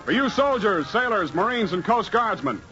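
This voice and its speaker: A man's voice: sits high, big pitch swings, moderate pace, muffled recording. A male announcer making a formal, declaiming scripted introduction on an old radio broadcast. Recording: old radio with loud music.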